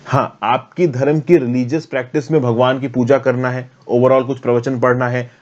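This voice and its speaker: A man's voice: mid-range voice, flat delivery, moderate pace, a little mellow, dull audio. An Indian man giving an explanatory current affairs lecture in a conversational, step-by-step manner, mixing in English terms. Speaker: teacher, current affairs educator.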